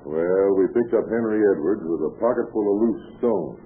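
An actor playing a calm, wry police inspector in a 1930s radio crime drama, talking like a folksy, steady cop of that era. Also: male voice, lowish voice, a little fast, lightly acted. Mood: calm, firm. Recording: tinny, noisy 1930s radio recording.

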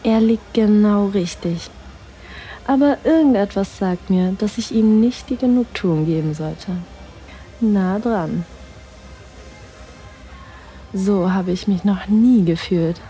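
A woman narrates an intimate audio drama very slowly in a warm, mellow tone, breathy and sensual, with soft music under her voice. She keeps sinking into near-whispers. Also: mid-range voice.

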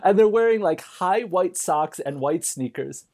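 A woman's voice: on the low side, expressive, a little slow, warm tone. A woman in casual comedic podcast banter about a film, giggly, sweary and mock-indignant, restarting her phrases as she goes. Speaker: podcast speaker discussing a film.

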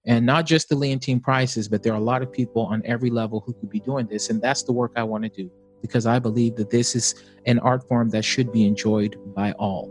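A man's voice: medium pitch, fairly even intonation, a little fast, few pauses, faint music behind. A man, an opera tenor, giving thoughtful, earnest interview answers.

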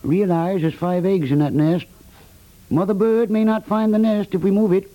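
Laconic, sentimental American contractor played by a male actor, high-pitched and mellow, folksy 1950s radio comedy. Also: steady tone, normal speed, lightly acted, poor audio. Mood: mournful. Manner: laconic, folksy, drops words, guilt-tripping. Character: stolid, folksy building contractor, sentimental about birds.

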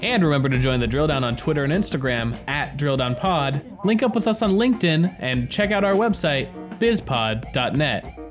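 A man co-hosting a business podcast reads sponsor spots and puts short questions to the host. His voice sits a touch high for a man. Clear music plays under him the whole time. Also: lively intonation, normal speed. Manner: prompting, reads promos. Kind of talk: scripted sponsor read and prompting questions.

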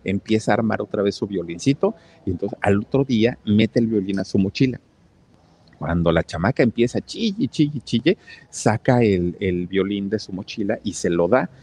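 A man with a Mexican accent tells a story in a loose, chatty way and keeps talking straight to his listeners. His voice sits low and sounds husky. He fills his sentences with fillers. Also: animated, moderate pace, darkish tone. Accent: Mexican Spanish. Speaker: channel storyteller. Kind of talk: casual storytelling.

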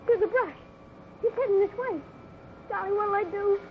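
A woman's voice: very high voice, normal speed. A woman playing an earnest young cowboy boy with breathless exclamations in a 1950s radio adventure. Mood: alarmed, frightened. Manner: breathless, gee-whiz exclamations. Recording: tinny, faintly noisy 1950s radio recording.

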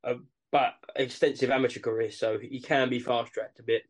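A man's voice: medium pitch, fairly even intonation, a little fast. A man with an East London accent co-hosting a boxing podcast, chatting in a laid-back, matey way. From East London, England. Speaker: podcast co-host. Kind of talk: casual boxing podcast chat.

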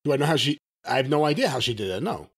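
A man co-hosting a podcast, speaking earnestly and in a measured way, gently skeptical in casual chat. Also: medium pitch, animated, vocal fry, slightly rough. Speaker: podcast co-host.

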